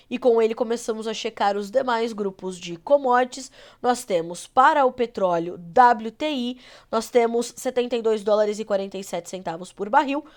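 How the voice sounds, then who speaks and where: A Brazilian woman with a cold anchoring a live agribusiness news show, her voice nasal and congested as she runs through market prices. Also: fairly high pitch. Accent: Brazilian Portuguese. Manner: brisk, reads prices in a steady run.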